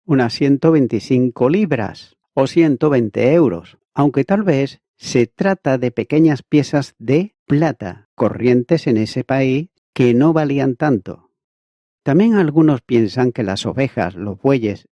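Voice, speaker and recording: A man with a dark, mellow voice reads aloud an expository Bible commentary, steady and methodical, like a teacher working through prepared notes. The recording is dry and close, with a dull, slightly lo-fi sound. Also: mid-range voice, no echo. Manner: measured, methodical reading of a prepared text.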